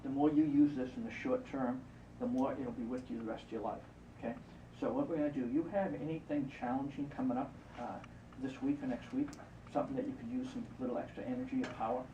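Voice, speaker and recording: A hypnotist guiding a volunteer through a live exercise, repeating encouraging instructions. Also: male voice, mid-range voice, steady tone, quick pace, background noise. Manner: coaching, repetitive, encouraging. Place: event room. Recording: roomy, distant, muffled live event recording.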